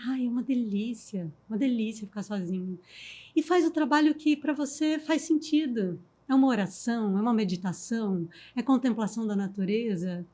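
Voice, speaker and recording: Woman storyteller guest, slightly higher voice, calm and reflective delivery. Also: fairly quick. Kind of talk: reflective conversation.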